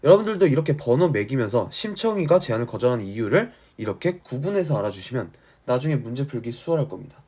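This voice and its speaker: Husky male teacher with animated delivery. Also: mid-range voice, fast, hardly any pauses. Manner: didactic, emphatic, often checks understanding. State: sore throat. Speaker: Korean language and literature teacher. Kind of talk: exam-prep lecture explaining a classic story to students.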